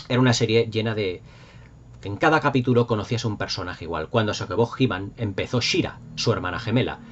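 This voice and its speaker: A man's voice: on the low side, dull audio. A middle-aged man with an accent from Spain, talking casually and nostalgically as a video host in an enthusiastic, effusive, rambling way. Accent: Spanish from Spain.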